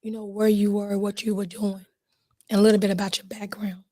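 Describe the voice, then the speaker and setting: A woman's voice: medium pitch, flat delivery, a little fast, mellow. A woman co-hosting a podcast interview, asking the guest about his background. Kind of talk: casual interview.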